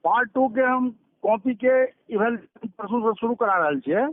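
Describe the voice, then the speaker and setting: University official on a call, high voice, terse and factual; dry, phone-like sound. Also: male voice, normal speed. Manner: brief, matter-of-fact answers. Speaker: university examination controller. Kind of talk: phone conversation. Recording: dry tinny phone line.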